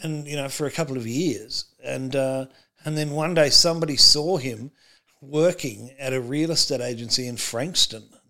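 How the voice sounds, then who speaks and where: With an Australian accent, a man speaks at a moderate pace in a bright, sharp tone with a fairly high pitch and ordinary pitch variation. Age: 60s. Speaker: comedian. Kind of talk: casual chat.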